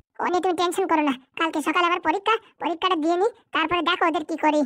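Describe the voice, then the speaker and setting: A cartoonish character voice from a woman, extremely high in pitch, very fast, with very even loudness and fairly even intonation. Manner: swaggering, boastful.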